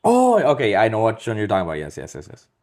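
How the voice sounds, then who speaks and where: A man with a hoarse, worn voice, chatting loosely and profanely on a podcast and dropping in Spanish phrases. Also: fairly low pitch, wildly swooping pitch, fast, darkish tone. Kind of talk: casual podcast chat.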